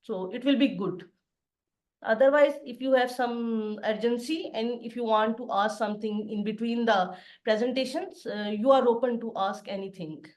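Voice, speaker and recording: A middle-aged woman from Pakistan, an assistant professor, gives an online lecture over a video call, explaining plainly with frequent pauses. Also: on the high side, darkish tone. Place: home study with bookshelves behind.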